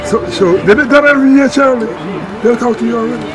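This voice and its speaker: A man's voice: very high-pitched, fast talker. A man with a Memphis Southern accent, casually interviewing dancers outdoors, friendly and joking, repeating their answers back. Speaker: interviewer and filmmaker. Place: outdoor party in a yard. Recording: loud music and crowd outdoors.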